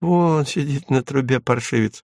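A man voicing a timid, tender-hearted male commandant who speaks softly and hesitantly. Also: mid-range voice, measured pace, no room sound, studio quality, pitched above the performer's own voice, natural voice. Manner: soft and hesitant.

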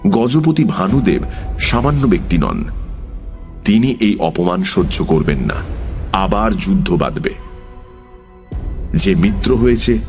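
Deep male voice, slow measured narration, faint background music. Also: darkish tone. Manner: measured, unhurried storytelling. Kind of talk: audiobook narration.

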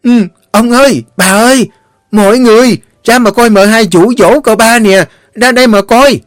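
A man voicing a scheming young female servant in a story, with a shrill, whiny voice. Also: normal speed, dry recording, clean studio sound. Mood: shrieking alarm. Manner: loud accusing wails.

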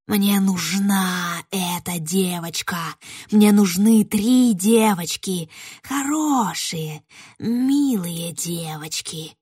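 Casting: woman doing a greedy storybook witch, slow and hissing, whispering and shouting by turns. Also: medium pitch, husky, dry recording, studio quality. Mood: menacing. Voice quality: rustling, whispery. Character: hissing yellow-eyed female witch, greedy, menacing.

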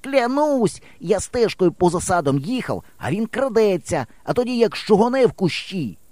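A man voicing an earnest, excited village boy who talks in urgent, breathless pleas in an audiobook. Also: high voice, normal speed, no room sound, pitched above the performer's own voice. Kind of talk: audiobook character voice.

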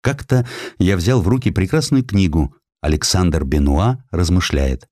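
A man reading a historical essay as a dramatic audiobook narrator, with expressive, measured literary phrasing into a close studio mic. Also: sits low, dry recording. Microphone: close studio microphone.

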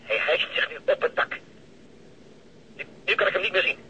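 A man acting an excitable police lookout reporting urgently in a Dutch radio drama. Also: high-pitched, moderate pace, exaggerated voice. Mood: alarmed. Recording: muffled, noisy, sirens and radio behind.

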